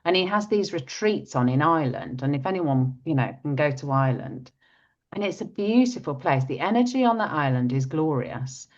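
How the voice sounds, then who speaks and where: A non-native English speaker co-hosts a casual chat in a deep, animated voice at normal speed. She has a frog in her throat and restarts often. The recording sounds dull and lo-fi.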